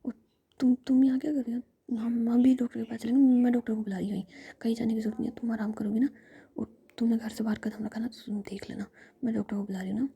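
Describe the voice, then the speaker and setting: A woman's voice: on the high side, fairly even intonation, quick pace, gravelly, warm tone, breathy edge, full character voice. A woman whispering the lines of a hot-tempered, protective young woman who scolds the others in a told story. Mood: scolding.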